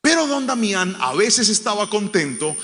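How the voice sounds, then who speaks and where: A man preaching a sermon. He tells a story, dropping to a hush and then rising to loud, emphatic declarations. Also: high voice, big pitch swings, normal speed, in a large hall. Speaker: pastor.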